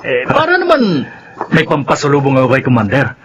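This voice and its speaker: A man's voice: fairly high pitch, huge pitch swings, a little fast, a bit bright, slight background noise. An actor playing a scheming drinking buddy who wheedles money from his friend. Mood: wheedling. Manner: wheedling, laughing.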